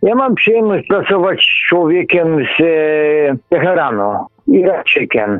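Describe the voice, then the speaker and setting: A man speaks very slowly in a high voice with very wide pitch swings. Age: 60s. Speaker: radio caller. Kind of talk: phone-in discussion. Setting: phone call.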